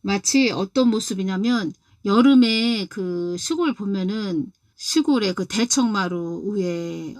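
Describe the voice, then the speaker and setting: A woman's voice: mid-range voice, no echo. A woman in her sixties giving a spiritual testimony and telling her dream, repeating key phrases with emphasis. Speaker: lay preacher.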